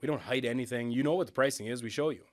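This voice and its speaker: A man with a Wisconsin accent, a podcast guest talking in a plain, self-deprecating way with halting restarts. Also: mid-range voice. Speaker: guest, operations executive. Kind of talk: casual interview talk.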